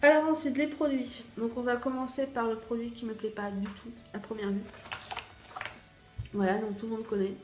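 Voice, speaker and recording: A woman's voice: a little high, fairly even intonation, normal speed, darkish tone. A French-accented woman chatting casually through a beauty box unboxing, hesitant and full of fillers. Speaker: beauty vlogger. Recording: echoey room with faint music.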